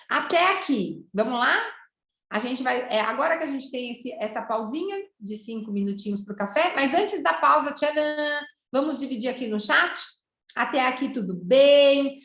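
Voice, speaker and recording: A Brazilian woman leads a teacher training session over a video call. She talks in a chatty, lively way and keeps checking in with her listeners. Her voice sits a little high, and the room gives it a noticeable echo. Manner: warm, lively and chatty, with many "né?" asides. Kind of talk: online teacher training lesson.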